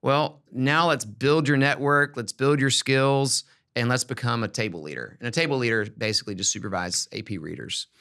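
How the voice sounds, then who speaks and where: A man's voice: medium pitch, normal speed, sharp tone, clean tone. A man hosting a podcast, giving casual advice and often repeating words as he thinks aloud. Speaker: podcast host.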